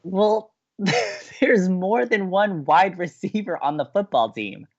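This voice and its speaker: An actor playing a gleeful, teasing young college radio co-host, bantering with dramatic emphasis. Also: male voice, high-pitched, lively intonation, slow, creaky, muffled recording, exaggerated voice. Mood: amused, teasing. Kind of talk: bantering audio drama dialogue.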